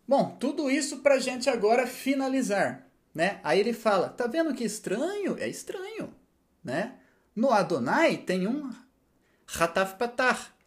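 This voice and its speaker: A man teaching a language lesson, checking understanding with frequent tag questions and answering his own rhetorical questions. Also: sits high. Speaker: Hebrew teacher. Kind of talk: explanatory lesson.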